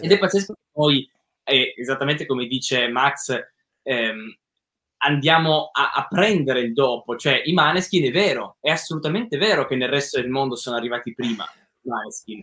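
Against a quiet background, a man with a fairly high pitch and a bright, sharp tone talks at a moderate pace with lively intonation. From Italy, Turin; Italy. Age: 20s. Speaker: musician and music therapist; guest. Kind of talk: interview conversation. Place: home room. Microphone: webcam.

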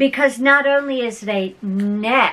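Here a woman talks. Her speed is moderate. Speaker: haul vlogger. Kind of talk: casual vlog chat. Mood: playful, joking. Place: home room. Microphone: webcam.

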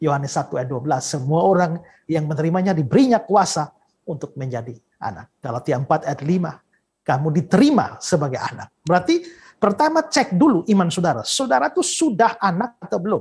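Fairly quick speech from a man with a high voice and very wide pitch swings. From Indonesia. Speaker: pastor. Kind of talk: testimony and Bible teaching interview. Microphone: webcam.

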